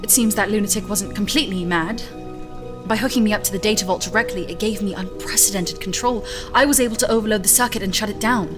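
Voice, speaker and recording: An actress playing a stubborn, confident scientist in an audio drama, speaking in an assured, articulate, insistent way. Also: female voice, mid-range voice, fast, music in the background, natural voice. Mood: urgent, revelatory. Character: driven, stubborn female scientist, defiant and confident. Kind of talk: audio fiction acting.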